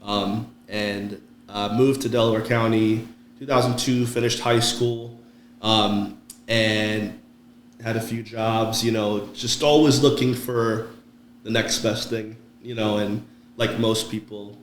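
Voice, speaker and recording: Middle-aged male podcast guest, lowish pitch, conversational storyteller, echoey room with faint noise. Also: fairly even intonation, takes it slowly. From Trinidad. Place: indoor room, podcast recording.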